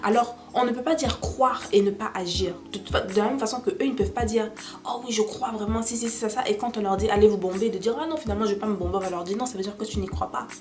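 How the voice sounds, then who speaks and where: A woman's voice: medium pitch, fast talker, darkish tone. Young woman vlogger with a head cold, earnest and conversational, music bed under her voice. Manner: earnest, repeats "d'accord?" to check in. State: has a cold, stuffy. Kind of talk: casual faith talk to camera. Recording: clear music in the background.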